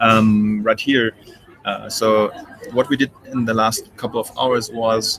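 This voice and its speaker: A man with a non-native accent and medium pitch speaks in a monotone, flat intonation at a fairly slow pace, with long, frequent pauses. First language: not English. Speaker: software developer mentor. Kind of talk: pair-programming tutorial. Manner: halting.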